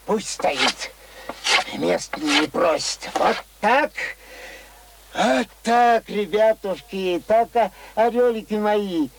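An actor playing a cheerful, talkative, stubborn old village pensioner in a radio play, with rustic speech full of fond diminutives. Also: male voice, sits high, lively intonation, slow, creaky, background noise, exaggerated voice. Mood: reassuring, musing. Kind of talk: radio drama acting.

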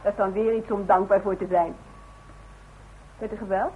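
An actress playing a brisk, sharp-tongued but caring grown daughter in a radio play, with a dry, bossy manner. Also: female voice, mid-range voice, steady tone, slightly rough, lightly acted. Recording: dull old radio recording with hiss.

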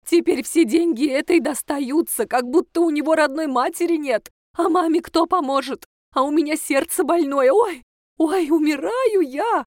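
A woman's voice: a little mellow, dry recording, clean studio sound, lightly acted. A woman voicing a hysterical older mother who wails and laments theatrically in a storybook reading. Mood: indignant. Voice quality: shrill, wailing. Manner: drawn-out melodramatic lamenting.

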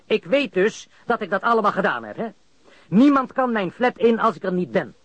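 An actor playing an agitated criminal suspect under interrogation in a radio crime drama, indignant and prone to swearing. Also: male voice, sits high, sing-song, normal speed, fairly bright tone, no room sound, heavily acted. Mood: matter-of-fact.

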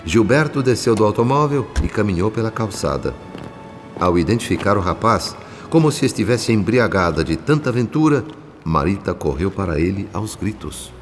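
A man's voice: fairly low pitch, animated, moderate pace, close to an everyday voice. A man with a Brazilian accent playing a solemn, reflective spirit narrator in a scripted radio drama. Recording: long reverb, music behind.

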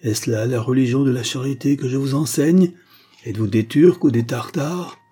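A man's voice: medium pitch, normal speed, mellow, breathy edge, pitched above the performer's own voice, natural voice. A man reading aloud, voicing an old white-haired village priest who commands an angry crowd in a raised, preaching voice. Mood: commanding.

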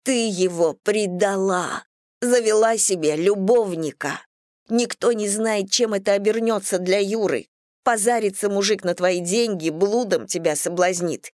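A woman reader doing a resentful caretaker woman, her voice pushed higher than the narration and dragged out slowly into hissing, heavy reproaches. The reading sounds close and dry, with no room around it. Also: darkish tone, no room sound, lightly acted. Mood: bitter accusing.

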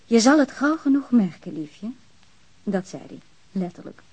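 An actress playing a grieving, lonely young woman in a radio crime drama, speaking in a wistful, halting way with a husky voice. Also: fairly high pitch, sing-song, a little mellow, rough recording. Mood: wistful recollection. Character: grieving, lonely young woman left alone by her partner.

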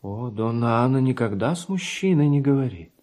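An actor playing a gentle, pious monk who speaks courteous, measured verse in a classic radio drama. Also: male voice, mid-range voice, expressive, natural voice. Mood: pious, confiding.

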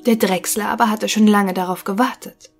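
Woman narrator, fairy tale audiobook, clear gentle storytelling, soft background music. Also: mid-range voice, steady tone, normal speed. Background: faint music.

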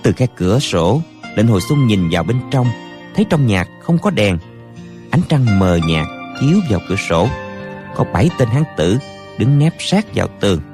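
A man narrating a martial arts novel as an audiobook in an expressive storytelling manner, close to the mic. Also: fairly low pitch, moderate pace, music in the background.

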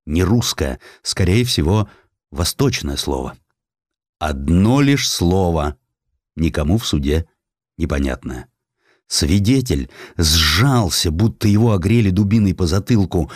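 A man reading scripted historical narration theatrically, measured, with weighty pauses. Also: deep voice, darkish tone, no echo, studio quality. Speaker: narrator, audiobook performer.

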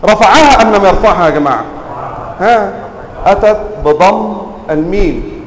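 A high-pitched man lectures on grammar to a room of students. He keeps firing questions at the class and stretches out each example word for emphasis. The room is roomy and echoing, with a faint hum of ambience behind him. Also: animated. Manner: quizzes the class with frequent questions; drawls example words slowly and emphatically. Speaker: teacher of Arabic grammar.

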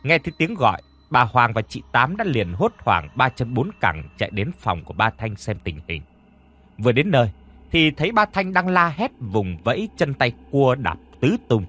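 A man narrating a ghost story for an audiobook with expressive storytelling. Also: mid-range voice, normal speed, soft background music.

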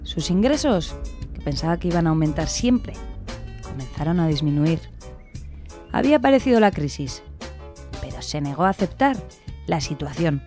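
A woman acting as a calm storyteller in a radio play, telling a cautionary tale at a measured gait. Her voice is mellow and slightly low, with faint music behind it. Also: lightly acted.

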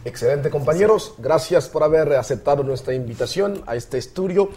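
A man's voice: fairly high pitch, expressive, moderate pace, mellow, breathy edge. A man hosting a Bible study discussion in a studio, welcoming listeners and guiding the conversation. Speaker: host of a Bible study program.

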